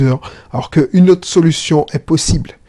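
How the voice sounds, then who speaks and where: A man's fairly high pitch at a moderate pace, with ordinary pitch variation. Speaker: real estate investor and business coach. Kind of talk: motivational monologue. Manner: animated.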